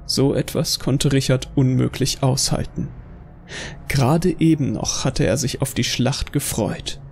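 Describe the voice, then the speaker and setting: Casting: male narrator for horror audio drama, creaky mid-range voice, scripted storytelling, faint background noise. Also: mid-range voice, a little mellow.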